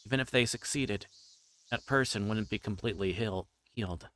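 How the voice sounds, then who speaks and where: A man with a fairly low voice streams a visual novel. He moves between reading the text aloud and informal, halting commentary as he thinks aloud. There is noticeable background noise with chirping insects behind him. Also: a bit bright.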